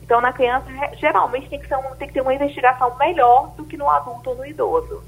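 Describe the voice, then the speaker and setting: A woman doctor on a radio health show, explaining symptoms in a measured way, often starting with "então". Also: high-pitched, fairly even intonation, vocal fry, slightly rough, poor audio. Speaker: doctor guest.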